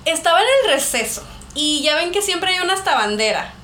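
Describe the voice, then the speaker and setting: A woman's voice: sits high, brisk. A young woman with a Mexican accent, animatedly telling a personal story in a casual podcast chat, laughing often. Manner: animated, laughs often, acts out quoted voices. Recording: echoey room with faint noise.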